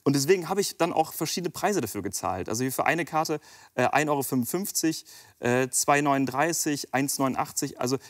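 A man's voice: medium pitch, lively intonation, fairly quick. A man who works as a magician, chatting casually on a TV show and explaining a card trick step by step with self-deprecating humor. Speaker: magician guest.

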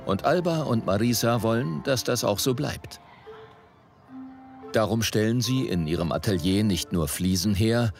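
Deep-ish guy narrating a tv report, steady and measured, soft music under it. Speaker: documentary narrator. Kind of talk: scripted voice-over narration.

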